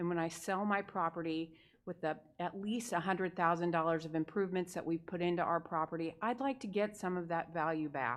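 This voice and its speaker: A woman talks at a fairly quick pace in an unremarkable speaking voice with ordinary pitch variation. The background is quiet. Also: fairly low pitch for a woman. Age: 60s. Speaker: resident speaking at public comment. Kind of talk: public comment at council meeting. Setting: city council meeting.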